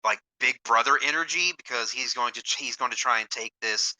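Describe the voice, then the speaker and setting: A man playing a tabletop game, describing his character in a halting, think-aloud way. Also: medium pitch, sharp tone, dry recording, poor audio. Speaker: player.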